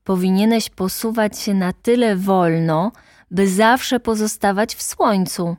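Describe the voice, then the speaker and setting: A woman voicing a gentle, curious little boy prince in a storybook reading, asking earnest questions. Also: mid-range voice, unhurried, dry recording, clean studio sound, voice pushed up, close to an everyday voice.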